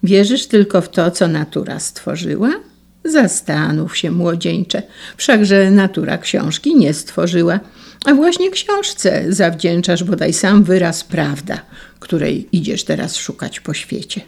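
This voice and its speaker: A woman reading the part of an old male blindfold maker who gives warm, earnest counsel in a storybook reading. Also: lowish voice, animated, measured pace, vocal fry, heavily acted.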